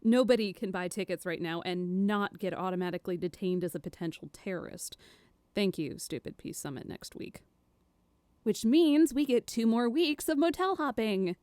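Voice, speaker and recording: A woman playing a bold, impulsive young fugitive in an audio drama, brisk and sarcastic. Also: medium pitch, a little mellow, dry recording, lightly acted. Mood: upbeat, sarcastic.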